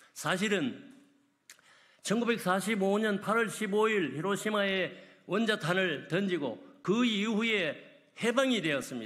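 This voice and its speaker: Audible room echo, a fairly slow pace and very even loudness. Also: man. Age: 80s+. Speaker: honorary university president. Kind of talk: press conference speech.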